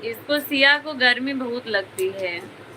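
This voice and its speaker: High-voiced woman chatting on a live stream. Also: slow, pushed and bright. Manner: chatty, addresses viewers by name. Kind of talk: casual live-stream chat reading viewer comments. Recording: noisy home ambience behind the voice.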